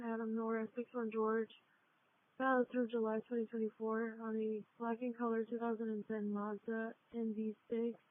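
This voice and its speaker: A woman dispatcher reading a plate return over police radio, all business. Her voice is fairly high yet nearly monotone, squeezed into a thin, phone-like band. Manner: flat, routine readout.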